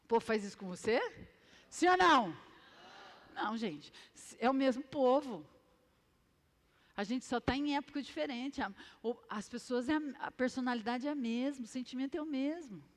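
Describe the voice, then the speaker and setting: A Brazilian woman preaching a lively youth sermon in a church hall, acting out scenes and quizzing the crowd. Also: high voice, moderate pace. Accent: Brazilian Portuguese.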